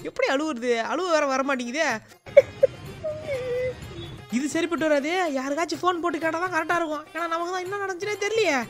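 Animated woman doing comic game role-play narration; bright, sharp voice. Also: extremely high pitch, quick pace, pauses often, soft background music. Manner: animated, exclaiming, calling out. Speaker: gaming channel narrator.

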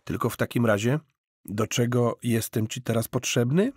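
Man voicing a hesitant, husky young guy. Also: medium pitch, a little mellow, no echo, clean studio sound, lightly acted. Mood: wary. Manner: slow, wary, questioning. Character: hesitant, naive, doubtful young man, the hustler's cousin.

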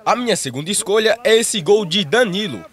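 Young guy introducing football goals, highish voice, noisy street. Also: expressive, fairly quick. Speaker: sports presenter. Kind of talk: presenting goal highlights. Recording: noisy outdoor street recording.

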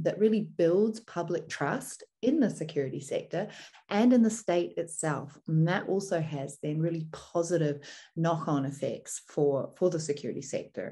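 A woman with a New Zealand accent giving an explanatory seminar presentation in a measured, didactic manner. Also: low-pitched, mellow. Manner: measured, didactic, poses rhetorical questions.

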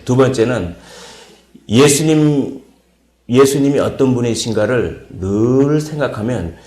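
A man preaching an early morning sermon as pastor, explaining step by step, repeating key words and pausing with fillers. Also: mid-range voice, darkish tone, roomy sound. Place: church sanctuary.

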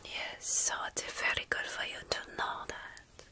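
A woman playing a gentle, centuries-old vampire caretaker in a soothing whispered ASMR roleplay. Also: lightly acted. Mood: matter-of-fact, amused. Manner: slow, soothing, measured whispering. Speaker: ASMR performer.

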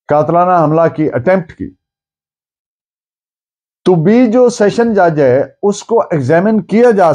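An older man with a South Asian accent giving a formal, deliberate legal lecture, explaining points with frequent pauses. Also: high-pitched, warm tone. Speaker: law lecturer. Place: book-lined office or study, indoors.

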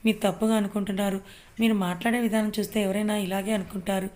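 A woman's voice: mid-range voice, little pitch movement, quick pace, darkish tone, close to an everyday voice. A woman voicing a guarded young wife. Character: young married woman, guarded and quick to anger.

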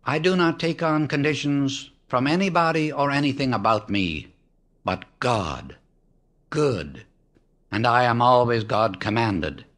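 A man reading a spiritual book aloud as an audiobook narrator, in a measured, emphatic way that slows down on key words. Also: medium pitch, expressive, fairly bright tone. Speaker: audiobook reader. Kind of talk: solemn scripted reading of spiritual teachings.

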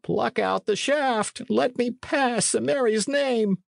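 A man voicing a defiant old male archer who is dying, speaking in a high, strained old-man voice. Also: very animated, a little slow, creaky, fairly bright tone, no echo, clean studio sound, exaggerated voice. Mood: gasping. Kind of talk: audiobook character voice.

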